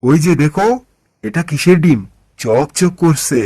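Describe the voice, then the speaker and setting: Cartoon farmer dad, played by a man: high male voice, mild, questioning, dry recording. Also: a little slow, a little mellow, husky, no echo. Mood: puzzled, surprised. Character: mild village farmer father, easily puzzled. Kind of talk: children's moral cartoon voice acting.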